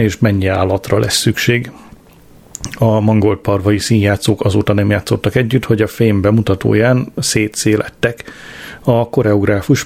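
A man's voice: fairly low pitch, darkish tone. A man reading a diary-style story aloud as an audiobook narrator, with a dry, wry delivery.

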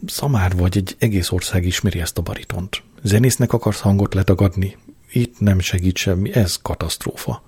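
A husky bossy playwright. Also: male voice, low-pitched, darkish tone, dry recording. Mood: commanding. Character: commanding older male playwright, dry and bossy. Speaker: playwright Turai. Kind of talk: radio play acting.

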